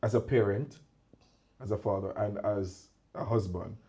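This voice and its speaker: A man from Jamaica co-hosting a podcast, chatting casually and getting loud and animated when he tells a story. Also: lowish voice, measured pace. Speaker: podcast co-host. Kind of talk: casual chat. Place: indoor podcast studio.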